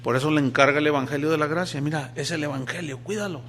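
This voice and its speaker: A man's voice: fairly high pitch, quick pace, a bit bright, slight background noise. A middle-aged man preaching a sermon, emphatic, telling stories and asking rhetorical questions. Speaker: pastor.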